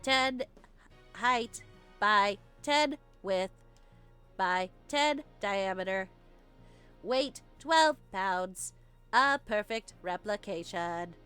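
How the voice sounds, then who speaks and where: A woman's voice: medium pitch, lively intonation, very slow, pauses often, bright, forceful tone, smooth, soft background music, heavily acted. A woman voicing a precise, robotic bomb technician witness in terse, clipped phrases for a video game read-along. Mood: clipped, exact.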